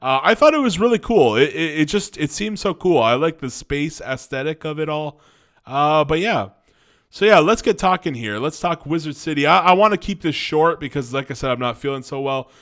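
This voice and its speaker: A young man talking off the cuff about cartoons, his voice slightly stuffy from a cold. He sits a little higher in pitch than most men and keeps circling back, restarting his sentences and dropping in "um" and "like" as he goes. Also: animated, moderate pace, fairly bright tone. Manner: rambling, many restarts and fillers. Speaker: cartoon review vlogger. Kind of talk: casual spoken review.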